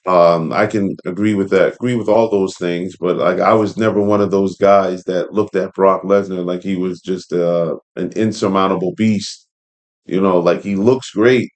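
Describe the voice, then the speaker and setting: A man's voice: low voice, fairly even intonation, normal speed. A man hosting a casual read-along commentary, speaking in an informal, opinionated way with conversational asides. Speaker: host and commentator. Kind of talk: casual commentary while reading an article aloud.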